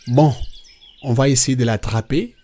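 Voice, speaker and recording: A man playing a patient father in a Christian children's cartoon, explaining things step by step in a husky voice. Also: medium pitch, measured pace, warm tone, a little hiss or hum, natural voice. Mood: patient, instructive. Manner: didactic, explains definitions step by step.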